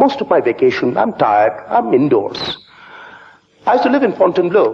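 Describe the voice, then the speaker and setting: A man with an Indian accent talks at a fairly quick pace. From eastern India, Calcutta. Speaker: business professor. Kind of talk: conference talk. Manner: repetitive restarts, stammering on words.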